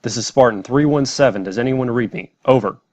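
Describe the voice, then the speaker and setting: A man's voice: mid-range voice, a little fast, a little mellow, natural voice. Man acting a clipped soldier on the radio. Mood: urgent, formal. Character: armored soldier calling over radio for a reply. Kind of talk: military radio transmission acting.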